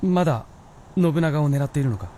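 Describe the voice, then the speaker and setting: A man playing a weary, gruff but kindly white fox spirit who speaks bluntly in a Japanese radio drama. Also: a little high, expressive, fairly quick, dark tone, a little hiss or hum, natural voice. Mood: concerned. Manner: gruff scolding, sighing, blunt speech.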